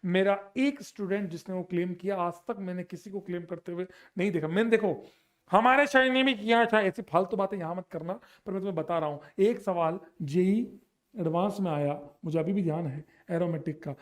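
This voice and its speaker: High-voiced energetic chemistry teacher. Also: male voice, a little fast. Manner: energetic, mixing Hindi and English, teasing students. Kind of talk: exam-prep lecture.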